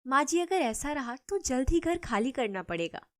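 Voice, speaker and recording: A woman voicing a polite, dutiful young daughter-in-law who speaks calmly and placatingly in a cartoon story. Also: high voice, normal speed.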